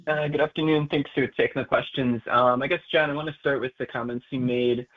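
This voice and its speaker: A man's voice: medium pitch, steady tone, brisk. Male analyst on a tinny phone. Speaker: financial analyst asking questions. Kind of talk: unscripted questions on an earnings call. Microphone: phone call. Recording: thin, tinny phone line.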